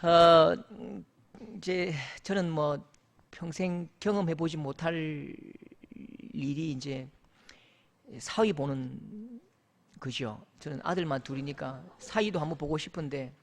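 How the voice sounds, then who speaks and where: Lively middle-aged Korean pastor preaching. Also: male voice, a little high. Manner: storytelling with lively acted quotes. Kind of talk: sermon.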